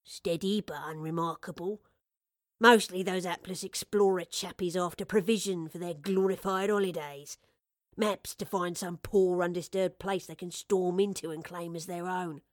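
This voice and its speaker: A woman's voice: on the low side, fairly even intonation, moderate pace, no room sound, clean studio sound, close to an everyday voice. A woman voicing an elderly male map-shop keeper in an audiobook story, kindly and playfully grumbling, with old-fashioned fond turns of phrase. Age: older.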